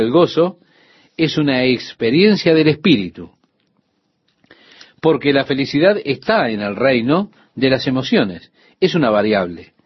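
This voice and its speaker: A man's voice: a little high, husky, no echo, muffled recording. An older man, a pastor, giving a radio sermon in an earnest teaching tone with rhetorical questions to the listener.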